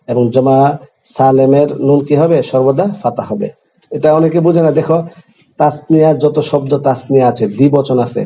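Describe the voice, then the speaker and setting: A man's voice: medium pitch, warm tone, rough recording. A man teaching an Arabic grammar class, reading Arabic text and explaining it in Bengali with quiz-style questions to students.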